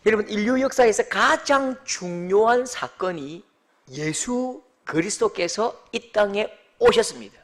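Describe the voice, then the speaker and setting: A middle-aged man with a Gyeongsang accent preaching a Christmas sermon as pastor, mixing joking asides with loud proclamations. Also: extremely high pitch. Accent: Gyeongsang Korean. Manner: jokey asides, then loud proclaiming outbursts.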